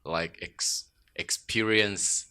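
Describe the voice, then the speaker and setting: A man from Tanzania, a guest musician, talking in a radio studio interview, reflective and growing emphatic when excited. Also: fairly low pitch, drawn-out words, clean tone.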